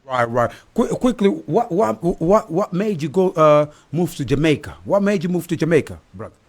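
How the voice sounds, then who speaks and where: A man's voice: a little high, big pitch swings, normal speed, darkish tone. A man hosting a live online talk show who rambles, restarts and fills with "uh". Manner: rambling with many fillers and restarts.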